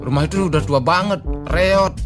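A man's voice: high voice, normal speed, lightly acted. A man playing a big, greedy, boastful and cowardly elder brother in a comic folktale drama, blustering and exclamatory. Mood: bossy, scheming. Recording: music behind the voice.

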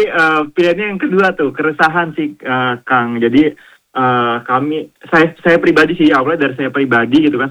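A man from Jakarta answering questions as a radio guest, hesitant and friendly, full of pauses. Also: medium pitch, a bit bright, poor audio. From Jakarta, Indonesia. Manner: hesitant, many fillers and restarts, friendly. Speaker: guest, founder of a swimming community.

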